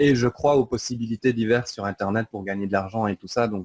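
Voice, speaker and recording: A man talks at a very fast pace in a medium-pitched voice with ordinary pitch variation. The sound is dry and close, with no echo. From Belgium. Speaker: online seller of spiritual services. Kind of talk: interview.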